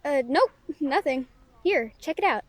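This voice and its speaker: A woman's voice: high voice, animated, a little slow, a little hiss or hum. A woman playing a casual, friendly female novelist in an audio drama, with an informal, slightly hesitant way of talking. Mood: casual, amused. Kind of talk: naturalistic audio roleplay acting.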